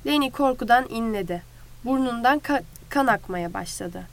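Woman narrating a storybook, measured. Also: a little high, animated, creaky. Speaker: audiobook narrator. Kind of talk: scripted narration.

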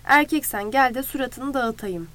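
A rough, sneering ranch hand, as a woman reads him out in a storybook, throwing taunts in a loud, coarse voice. His voice sits somewhat high and pushes hard. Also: normal speed. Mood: taunting. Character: gruff rough-spoken adult male ranch hand.

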